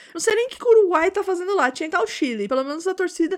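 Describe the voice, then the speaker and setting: Noticeable background noise sits behind a woman speaking. Her tone is animated and her intonation lively. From São Paulo, Brazil. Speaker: podcast host. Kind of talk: casual chat. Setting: home studio.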